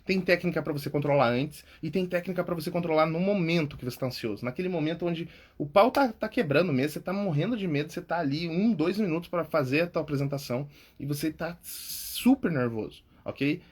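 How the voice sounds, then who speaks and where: A man's voice: fairly high pitch, a little fast, hardly any pauses, husky. A Brazilian man, a public speaking coach and podcast host, giving tips in a casual, informal way, often checking in with "tá?" and "cara". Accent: Brazilian Portuguese.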